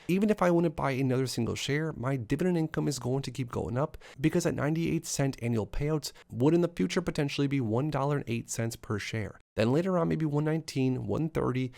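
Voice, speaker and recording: A man in his thirties hosting an investing channel, talking fast through numbers with upbeat lists and asides. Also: a little high, gravelly, darkish tone. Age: 30s. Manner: brisk, upbeat run-on explaining with lots of lists and asides. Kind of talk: solo finance talk to camera.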